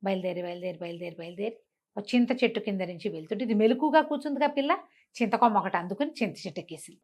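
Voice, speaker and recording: A woman telling a comic folk tale in an animated, conversational way, often repeating phrases. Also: medium pitch, rapid-fire. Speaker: storyteller.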